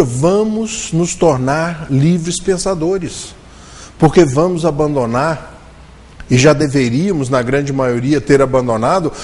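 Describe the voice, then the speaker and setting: Man, high voice, religious lecture, storytelling delivery, slows down for emphasis. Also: darkish tone. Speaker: spiritist lecturer. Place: spiritist center meeting room.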